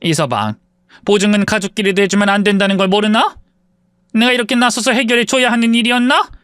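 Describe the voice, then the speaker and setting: A man's voice: high-pitched, quick pace, fairly bright tone, smooth, no echo, studio quality. A man voicing a stern, commanding older mother who is a shaman, speaking in a scolding, authoritative way.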